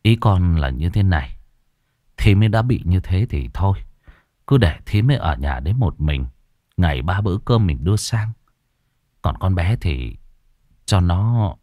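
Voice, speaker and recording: A man voicing a weary adult son in a ghost story, speaking low and subdued. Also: warm tone, no echo.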